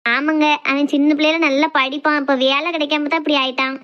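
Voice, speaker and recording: A woman's voice: high voice, flat delivery, quick pace, lo-fi sound, close to an everyday voice. A woman doing a soothing village mother. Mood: earnest. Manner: soothing, consoling. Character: fretting village mother of the bride.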